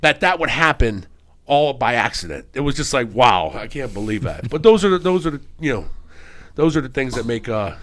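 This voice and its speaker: A man on a podcast telling a long, animated story, acting out what people said and leaning on "you know what I mean". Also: medium pitch, brisk. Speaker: podcast co-host. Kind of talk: casual storytelling chat.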